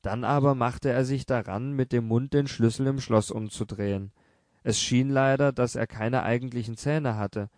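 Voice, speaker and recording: A male narrator reads a literary audiobook in a measured, even manner. His voice sits in an ordinary middle register. The recording is close and completely dry. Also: medium pitch, dry recording.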